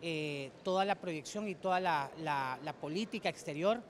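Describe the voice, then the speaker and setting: A man's voice: a little high, normal speed, slight background noise. A man in his thirties, an honorary consul, chatting through an interview and telling an anecdote, in a large conference hall. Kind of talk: interview answers.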